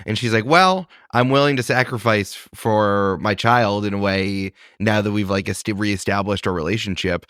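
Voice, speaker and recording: A man's voice: on the low side, fairly bright tone, no room sound, studio quality. A man in his thirties, a podcast host and game master, talking in a reflective, thinking-aloud way in casual chat. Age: 30s.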